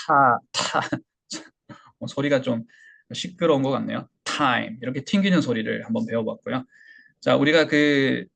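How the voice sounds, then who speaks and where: A man's voice: medium pitch, vocal fry, slightly rough. A man teaching English pronunciation in a lecture, speaking with a Korean accent, demonstrating sounds and repeating example words. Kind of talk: online English lesson.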